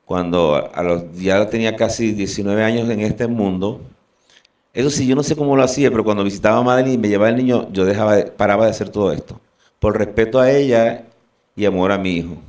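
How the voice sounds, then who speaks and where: Low-voiced man sharing testimony. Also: darkish tone, far from the mic. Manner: earnest, halting, with restarts. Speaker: guest giving testimony. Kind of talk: emotional personal testimony.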